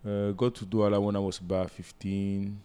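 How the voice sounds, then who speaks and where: A man in his thirties from Cameroon, answering interview questions with many pauses and fillers. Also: lowish voice, level tone, dark tone, smooth. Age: 30s. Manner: hesitant, many fillers and restarts. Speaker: guest entrepreneur.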